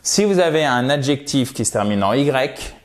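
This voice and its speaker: In a recorded video lesson over slides, a man teaches English with an animated, mid-range voice. He's emphatic, stressing each word and slowing down to model English words and their stress.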